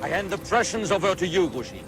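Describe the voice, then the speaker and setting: An actor playing a male emperor giving brisk, authoritative battle orders to his officers, with music behind. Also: sits high, big pitch swings. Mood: commanding. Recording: film soundtrack with music.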